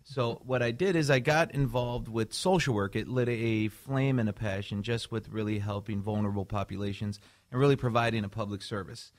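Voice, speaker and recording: A man from Chicago, a mental health clinician, earnestly explaining his path as a radio guest. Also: lowish voice. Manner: earnest, measured, some restarts. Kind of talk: radio interview answers.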